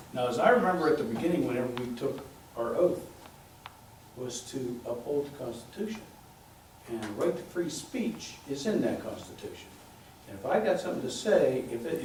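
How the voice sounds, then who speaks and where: A council member with a gruff, loud voice who speaks bluntly and defiantly in a meeting debate. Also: male voice, mid-range voice, a little hiss or hum. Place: council chamber. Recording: very echoey chamber audio from far off.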